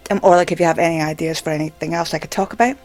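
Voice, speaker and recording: Rapid-fire speech at medium pitch and fairly even intonation comes over soft background music. The vlogger stammers and hesitates while rambling casually to camera, filling gaps with "like."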